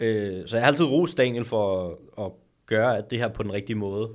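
A man talks in a normal speaking voice at a fairly low pitch, with ordinary pitch variation. He keeps a moderate pace in a very clean recording with a silent background. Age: 30s. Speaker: TikTok content creator. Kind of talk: casual chat.

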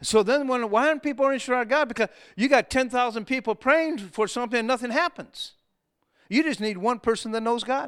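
Fairly quick speech with ordinary pitch variation on a very clean recording with a silent background. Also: man, extremely high pitch for a man. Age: 60s. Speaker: missionary guest preacher. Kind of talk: sermon. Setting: church.

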